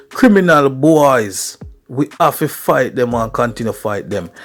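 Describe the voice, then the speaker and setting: Animated and lively in intonation, a man with a fairly high pitch speaks in a Jamaican accent on a very clean recording with a silent background. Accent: Jamaican, Patois-inflected English. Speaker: online news commentator. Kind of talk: news commentary.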